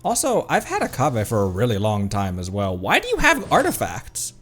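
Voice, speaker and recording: A man's voice: mid-range voice, wildly swooping pitch, moderate pace, fairly bright tone. A man streaming a video game, chatting casually in a rambling, hesitant way as he thinks aloud. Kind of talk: casual livestream gaming chat. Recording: music in the background. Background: background music.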